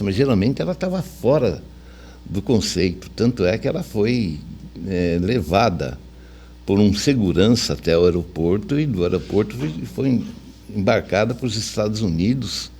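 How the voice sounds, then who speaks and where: An older man with a Brazilian accent, a veteran radio journalist, appears as an interview guest and tells anecdotes in a casual, colloquial way. His voice is low-pitched with a darkish tone.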